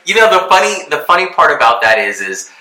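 Earnest rambling man from Texas, bright voice. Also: on the high side, sing-song, fast. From Texas, USA. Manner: earnest, rambling, many fillers and restarts. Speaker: vlogger, expat in Mexico. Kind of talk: casual chat. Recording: roomy echo.

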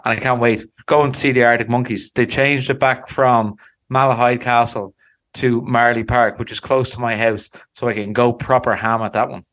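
A man's voice: medium pitch, fairly even intonation, moderate pace, a bit bright. A young Irish man co-hosting a podcast, bantering in a dry, teasing way. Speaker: podcast co-host. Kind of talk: casual chat.

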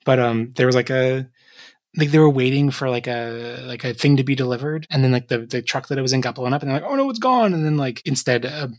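A woman's voice: very deep voice, fairly even intonation, a little fast, darkish tone. A young woman co-hosting a podcast, rambling in casual chat with plenty of filler words and frequent laughs. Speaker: podcast co-host.

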